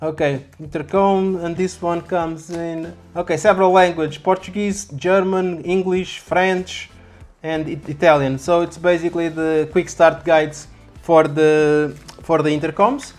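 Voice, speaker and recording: Casting: casual product-unboxing vlogger, halting and repetitive phrasing, music underneath. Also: medium pitch, steady tone, a little mellow. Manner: halting, repeats words. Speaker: YouTube vlogger. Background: background music.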